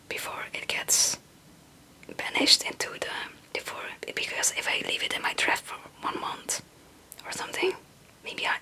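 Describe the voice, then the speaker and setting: The audio is poor, and a young woman's whisper comes through pushed and bright as she rambles casually in an ASMR chat. Hesitant and self-deprecating, she makes ASMR videos and speaks English as a non-native.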